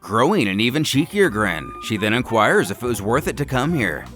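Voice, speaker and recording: A man giving an animated, dramatic scripted narration of a manga story, as a narrator and host. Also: medium pitch, moderate pace, faint music behind.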